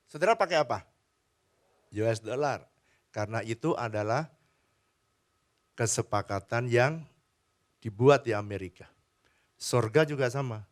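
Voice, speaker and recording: A man preaching a sermon as pastor, telling stories and chatting with the congregation. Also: fairly high pitch. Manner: animated storytelling, chats with the congregation. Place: church.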